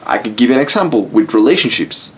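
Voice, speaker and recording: A man's voice: medium pitch, very animated, fast talker. Mexican-accented man giving blunt advice. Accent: Mexican Spanish. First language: Spanish. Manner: blunt, casual, swears freely. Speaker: YouTube style coach. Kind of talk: motivational talk to camera.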